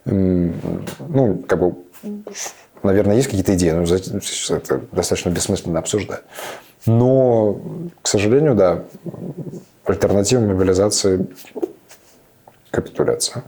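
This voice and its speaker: A man in his thirties speaks in a low, dark voice that sounds warm and relaxed. He answers questions thoughtfully but haltingly, often pausing, restarting and padding his sentences with fillers. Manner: hesitant, many fillers and restarts. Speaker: interview guest, serving soldier. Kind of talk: reflective interview talk.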